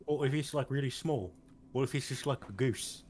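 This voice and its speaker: A man's voice: medium pitch, normal speed, a little mellow, husky. A man playing a tabletop game, chatting casually and joking as he plays.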